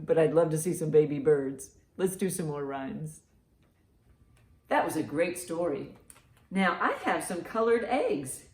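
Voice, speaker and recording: A woman with a slightly low voice leads a children's storytime. She takes her time and speaks in an encouraging, sing-song way. The room adds noticeable echo. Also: darkish tone. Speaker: children's librarian, storytime host. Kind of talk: children's storytime read-aloud and rhymes. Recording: roomy, echoing sound.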